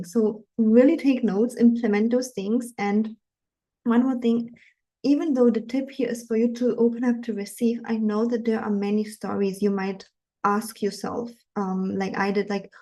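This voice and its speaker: Mellow-voiced woman coaching with earnest energy. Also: fairly high pitch, normal speed. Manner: earnest, animated, frequent fillers. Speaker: dating coach. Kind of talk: live webinar talk.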